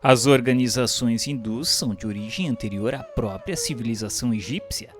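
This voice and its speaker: A man's voice: mid-range voice, moderate pace. A man reads a scripted spiritual history narration in a solemn, formal, literary manner. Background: music behind the voice.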